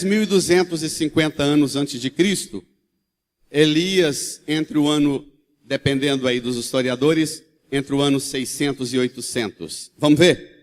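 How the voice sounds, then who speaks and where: Priest, slightly high voice, folksy storytelling sermon, long reverb of a big church. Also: male voice, a little slow. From Brazil. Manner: storytelling, animated, with colloquial asides. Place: large church.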